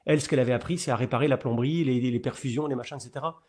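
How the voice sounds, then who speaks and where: A middle-aged man, a priest, giving a webinar talk about his own experience, telling it in an animated way with fillers and repeated words. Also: rapid-fire. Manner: animated storyteller with sudden rises in pitch and loudness.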